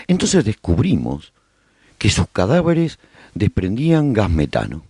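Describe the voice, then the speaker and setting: Guy acting as apocalypse survivor telling his story on a radio serial, mellow raspy voice, really varied intonation. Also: low voice, dry recording, heavily acted. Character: male survivor recounting life after a zombie apocalypse. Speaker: narrator of a serial radio drama. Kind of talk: scripted first-person radio drama narration.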